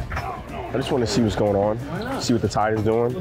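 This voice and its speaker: A man speaks in a fairly low pitch. The sound is dry with no echo, and clear music plays in the background. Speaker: guest. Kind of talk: interview answer. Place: boat.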